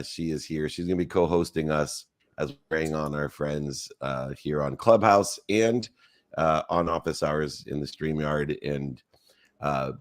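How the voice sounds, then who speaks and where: Very deep-voiced man hosting a chat. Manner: relaxed, rambling, many fillers. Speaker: host. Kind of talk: casual online chat show.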